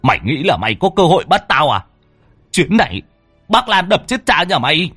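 A man voicing an angry, grieving middle-aged man in a horror story, blunt and gruff in his threats. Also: mid-range voice, wildly swooping pitch, moderate pace, a bit bright, no room sound, faint music behind, full character voice. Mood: defiant shouting.

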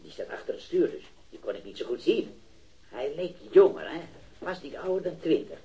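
A man playing an earnest, hesitant witness in a radio drama, recounting things carefully and haltingly. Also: on the high side, big pitch swings, dark tone, muffled recording. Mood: recalling carefully.

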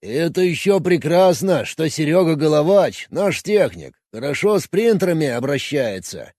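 A man voicing a big, bluff, good-natured Russian engineer who talks loud and teases, in a husky voice. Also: fairly high pitch, big pitch swings, moderate pace, dry recording, clean studio sound, voice pushed up. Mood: hearty. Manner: loud jovial teasing.

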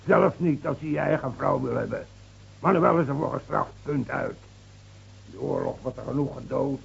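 An actor playing a gruff village tavern keeper in a radio play, scoffing, curt and bossy. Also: male voice, mid-range voice, moderate pace, exaggerated voice. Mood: harsh, dismissive. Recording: muffled, noisy old radio recording with hum.

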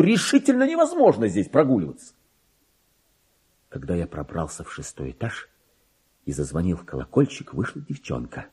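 An actor playing an excitable, self-important, paranoid petty clerk in a theatrical radio monologue, with a husky voice and volatile delivery that swings between confiding and outbursts. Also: male voice, medium pitch. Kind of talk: dramatic monologue reading in a radio play.

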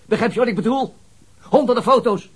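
A man's voice: extremely high pitch, fairly quick, breathy edge. A man playing a methodical middle-aged police detective and father in a naturalistic radio drama, dryly reasoning things through. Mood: urgent, excited.

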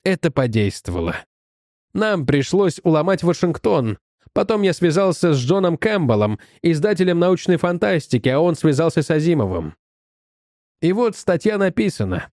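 A man reading a story aloud in the first person, in an animated, expressive manner. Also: fairly high pitch, normal speed, dry recording, clean studio sound. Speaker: audiobook reader.

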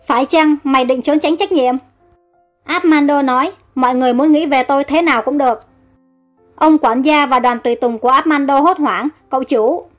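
A woman's voice: sits high, brisk. A woman narrating an audio story and reading every character's lines in the same voice. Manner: reads all characters in one even voice. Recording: faint background music.

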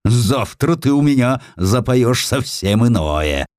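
A male reader plays an overbearing university dean in an audio story. He is brusque, pompous and condescending, hectoring his listener with wide swings of pitch in a dry, close recording. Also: sing-song, slow pace, a little mellow, dry recording. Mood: menacing. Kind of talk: audio dramatization of historical prose.

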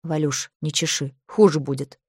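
A woman reading as a caring young woman who speaks softly and quietly, giving gentle advice in a low voice. The recording is dry and close. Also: fairly even intonation, normal speed, breathy edge, dry recording. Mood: tender. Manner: soft, quiet, advising.

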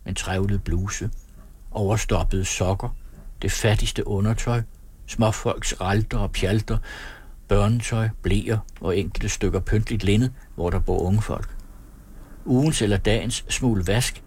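A man reading a novel aloud in steady, descriptive scripted narration. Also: lowish voice, slightly rough. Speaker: audiobook narrator.

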